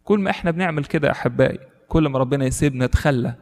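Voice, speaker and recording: A man's voice: mid-range voice, very fast, long reverb tail. A man with an Egyptian accent preaching a sermon to a congregation, emphatic and exhorting. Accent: Egyptian Arabic. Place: church.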